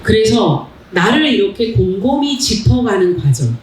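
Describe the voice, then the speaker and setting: A middle-aged woman giving a public lecture in a hall, animated and asking the audience questions. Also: mid-range voice, a little slow, far from the mic, slight background noise. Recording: echoey hall, mic heard from afar.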